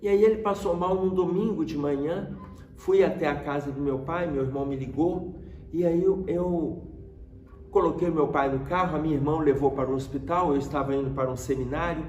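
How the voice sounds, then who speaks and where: A middle-aged Brazilian man with an accent, telling a personal story as a spiritist lecturer to a live audience in measured, drawn-out phrases. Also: on the high side, a little mellow, distant mic, lo-fi sound. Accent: Brazilian Portuguese. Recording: echoey hall.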